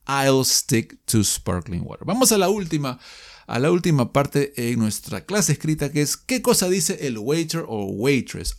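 A male teacher giving a language lesson, lively and explanatory, repeating example phrases slowly. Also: on the high side. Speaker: English teacher.

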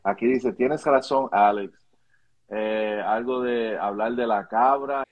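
A man's voice: mid-range voice, slow, lo-fi sound. A man with a Caribbean Spanish accent answering casually as an interview guest, repeating words and mixing English phrases into his Spanish. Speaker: interview guest, music video director.

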